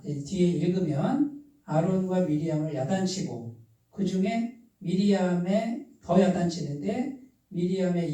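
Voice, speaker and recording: In a church sanctuary, a male pastor delivers a sermon, regularly putting questions to his congregation and waiting for replies. His voice is high-pitched and warm, recorded far from the mic in a very echoey room.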